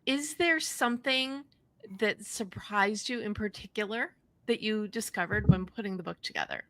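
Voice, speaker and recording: Bright-voiced woman hosting a show. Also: medium pitch, moderate pace, poor audio. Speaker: podcast host. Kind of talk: interview hosting.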